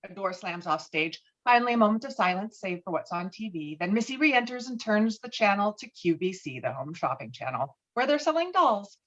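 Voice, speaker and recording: A woman's voice: medium pitch, expressive, a little fast, hardly any pauses, a bit bright. A woman reading scripted stage directions and scene headings for a table read over a video call. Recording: dull, lo-fi online call audio.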